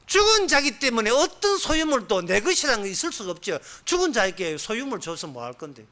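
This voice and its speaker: Animated, bright-voiced Gyeongsang preacher. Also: male voice, very high-pitched, brisk. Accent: Gyeongsang Korean. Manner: colloquial, rhetorical questions. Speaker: pastor. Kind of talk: sermon.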